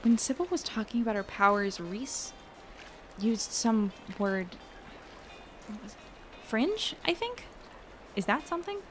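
A woman's voice: a little high, animated, measured pace, pauses often, a bit bright, a little hiss or hum. A woman playing an uneasy, thoughtful investigator in an audio drama, speaking casually and naturally. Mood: puzzled.

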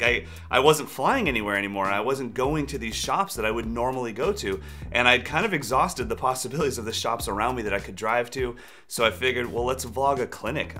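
A man's voice: lowish voice, bright, forceful tone. A man in his forties, a drum educator, talking casually and upbeat to his camera in a vlog. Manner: chatty, upbeat, self-deprecating. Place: drum studio room, later a car.

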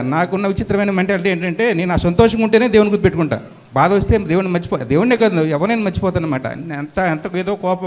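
A middle-aged man, giving an earnest, halting, emotional church testimony. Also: high-pitched, a little mellow.

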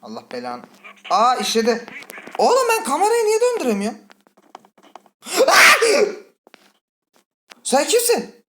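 A woman playing a horror game and commenting with a Turkish accent, chatty and full of swearing, breaking into startled high shrieks. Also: huge pitch swings, measured pace, pauses often, a bit bright, slight background noise. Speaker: gaming channel host. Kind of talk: let's play commentary. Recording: faint game music behind.

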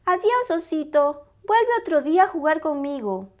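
A woman's voice: high-pitched, sing-song, moderate pace, darkish tone, pitched above the performer's own voice. A woman voicing a friendly, sweet little girl in a storybook, chatty and childlike.

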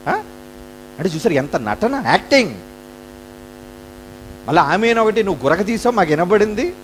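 Animated Telugu-speaking preacher, lively pitch. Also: male voice, slight background noise. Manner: dramatic storytelling, acting out voices. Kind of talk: sermon.

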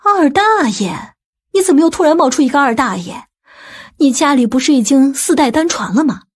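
A woman's voice: high voice, expressive, a little fast. A woman playing an older, fretful mother in an audiobook drama, nagging and questioning. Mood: surprised, doubting.

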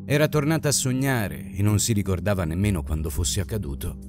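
A man reading an audiobook in a dramatic, expressive way. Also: fairly low pitch, brisk. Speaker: audiobook narrator. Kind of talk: scripted narration. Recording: narration over loud music.

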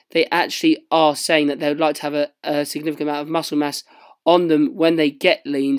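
Young man, husky hoarse voice, fairly high, earnest explainer. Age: young adult. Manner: earnest, explanatory, self-deprecating. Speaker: fitness vlogger. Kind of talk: casual vlog chat and voice-over. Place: home, small room.

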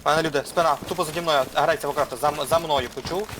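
A man's voice: on the high side, fairly even intonation, very fast, background noise. A man on gaming voice chat, repeating frantic callouts to his team. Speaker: gamer.

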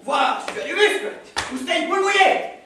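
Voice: very high-pitched, expressive, brisk. An actor playing a blustering army recruiting sergeant on stage, barking and goading like a drill sergeant. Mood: goading, mocking. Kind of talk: theatrical stage acting. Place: theatre stage, indoors. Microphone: far camera in audience. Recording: echoey theatre hall, distant, noisy.

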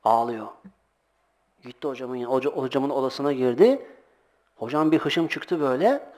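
A middle-aged man giving an informal sermon as a religious teacher, telling lively anecdotes, acting out voices and laughing often. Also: mid-range voice, normal speed.

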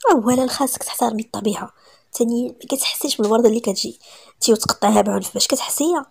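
An earnest young Moroccan man, as a woman narrator reads him, explaining himself with sincere care. The voice stays near her own, quick and gravelly with a breathy edge. A spoken storybook delivery. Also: a little high. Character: earnest young man, nature-loving decorator.

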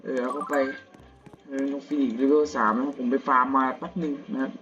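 A young man, still a student, giving casual gameplay commentary at home at night, slangy and crude with excitable outbursts. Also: mid-range voice, fast. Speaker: gamer. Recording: dull lo-fi audio with game music.

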